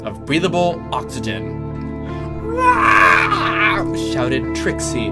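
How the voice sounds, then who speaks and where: Theatrical, slow-paced storyteller over loud music. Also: mid-range voice. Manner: theatrical, wry asides to the listener. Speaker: fan fiction reader. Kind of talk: comic dramatic story narration. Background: loud music under the reading.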